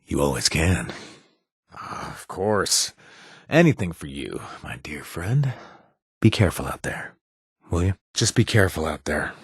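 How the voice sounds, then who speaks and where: A husky, joking ex-raider game companion, low voice, very expressive, dry booth sound. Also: male voice, unhurried, pauses often, no echo, full character voice. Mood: caring. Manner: joking, warm and protective. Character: wry ex-raider man, friendly informant. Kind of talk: video game voice lines.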